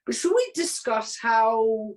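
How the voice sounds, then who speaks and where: A man's voice: very high voice, very animated, takes it slowly. Casual male interview host.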